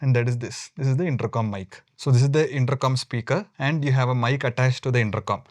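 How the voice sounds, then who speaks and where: A man's voice: mid-range voice, fast, no echo, studio quality. A man with an Indian accent giving an informal step-by-step tutorial as a moto vlogger, often repeating and rephrasing his points.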